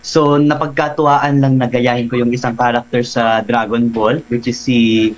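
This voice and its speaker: A man's voice: mid-range voice, level tone, moderate pace, highs cut off. A man, a voice artist guest in a casual radio interview, talking animatedly and sometimes slipping into voices.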